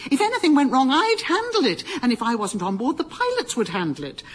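An actress playing an imperious female airline owner who talks in a brisk, commanding way. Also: high voice, wildly swooping pitch, slightly rough, full character voice.

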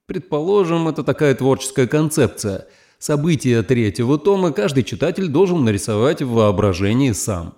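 A man reading an audiobook aloud in an expressive, storytelling manner. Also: medium pitch, normal speed, few pauses. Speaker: audiobook narrator.

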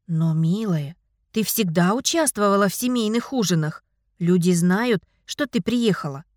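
A woman voicing a gentle, patient middle-aged mother in an audiobook, speaking softly and affectionately. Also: medium pitch, animated, moderate pace, no echo, studio quality, lightly acted. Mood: tender. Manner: soft, affectionate, sighing. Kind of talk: audiobook character voice.

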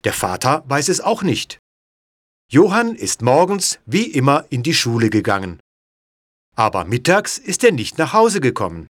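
A man reading an audiobook story in a clear, measured way. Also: mid-range voice, very animated, no echo, studio quality. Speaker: narrator. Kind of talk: scripted audiobook narration.

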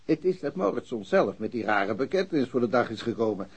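A senior police chief in a radio drama. His husky voice moves around a lot in pitch as he talks down to a subordinate, formal yet hesitant and patronizing. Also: very animated, fairly quick. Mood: awkwardly critical. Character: senior police chief, awkwardly breaking bad news to subordinate.

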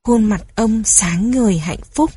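A woman reading children's stories aloud in a gentle, even storytelling manner. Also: medium pitch, measured pace, breathy edge.

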